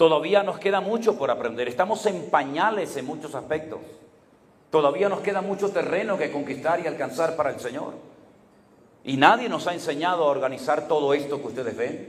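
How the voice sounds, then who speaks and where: A man's fairly high-pitched voice, fairly quick and lively in intonation, with audible room echo. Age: 60s. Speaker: pastor. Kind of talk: sermon.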